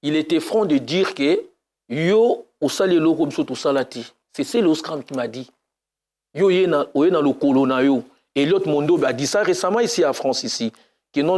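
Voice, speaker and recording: A man from Kinshasa, a music animateur talking casually in an interview, mixing Lingala and French in a lively way. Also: fairly high pitch. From Congo (Kinshasa). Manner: mixes Lingala and French, lively, bursts into chanted cries.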